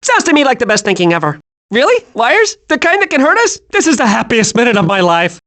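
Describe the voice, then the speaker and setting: Super high squeaky hyper squirrel for a cartoon game, really bouncy pitch, happy and childlike. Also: male voice, fairly quick, exaggerated voice. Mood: gleeful. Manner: excitable, wide-eyed, naively cheerful. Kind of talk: animated video game voice acting.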